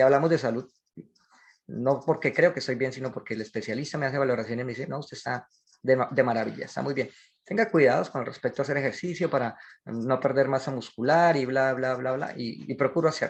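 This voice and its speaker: The speech comes at a very fast pace over a quiet background. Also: man, medium pitch for a man, ordinary pitch variation. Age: 60s. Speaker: spiritual teacher and former Shaolin monk. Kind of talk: interview monologue.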